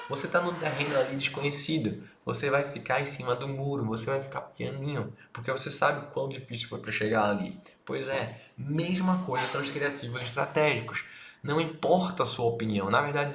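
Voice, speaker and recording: A Brazilian man in his thirties gives a casual recorded online marketing lesson, speaking with a Brazilian Portuguese accent in a medium-pitched, fairly bright voice. He's slangy and direct, addressing the viewer straight on. The room is echoey with faint noise.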